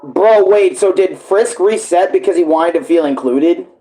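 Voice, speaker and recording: A man's voice: high-pitched, moderate pace, mellow, a little hiss or hum, rough recording. A man giving casual live reaction commentary, full of slang and swearing. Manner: slangy, profanity-laden. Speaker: reaction video host.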